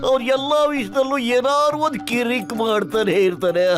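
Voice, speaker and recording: A man's voice: very high-pitched, lively intonation, moderate pace. A man voicing a hapless, easily frightened police inspector in a dubbed cartoon, wailing and dramatic. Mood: whining. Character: whiny hapless adult male police inspector. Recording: voice over loud cartoon music.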